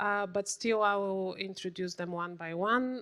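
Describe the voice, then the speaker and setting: Speaking with a Bulgarian accent, a woman of medium pitch takes a fairly slow pace. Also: very clean recording, silent background. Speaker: panel moderator. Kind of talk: panel discussion moderation. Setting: stage with audience. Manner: halting, many fillers.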